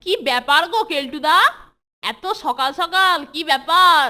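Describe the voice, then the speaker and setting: A woman's voice: sits high, normal speed, bright, forceful tone. A woman voicing a young schoolboy sidekick in a children's cartoon, childlike, exclamatory and a bit grumbly. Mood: eager. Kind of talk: Bengali children's cartoon dubbing. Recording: music behind the voice.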